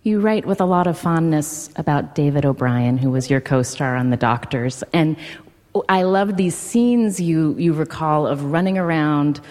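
A woman's voice: deep voice, moderate pace, darkish tone, in a large hall. A woman hosting a podcast interview, asking curious, personal questions. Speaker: podcast host.

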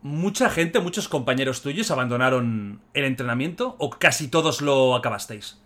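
A man with a Spain Spanish accent hosts an interview, asking quick, curious follow-up questions. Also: medium pitch, expressive, fairly bright tone. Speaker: podcast host. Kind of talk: casual interview.

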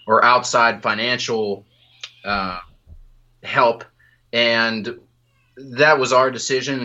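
Male guest heard over the phone, low voice with a forceful edge, halting and repetitive in casual interview talk. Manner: halting, repeats words while searching for phrasing. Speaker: podcast guest, small business owner. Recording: dull lo-fi phone line.

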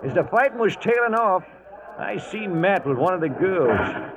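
An actor playing a folksy old cowhand with an American accent, narrating a cattle drive in rustic, ungrammatical Western speech in a radio western. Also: male voice, high voice, sing-song, moderate pace, a crowd in the background. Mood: storytelling. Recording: muffled vintage radio recording with music.

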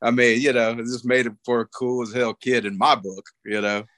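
A man's voice: mid-range voice, fairly even intonation, fairly quick, fairly bright tone, no echo. A man talking casually about an old friend, rambling with many fillers. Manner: rambling, lots of "you know". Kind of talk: casual conversation.

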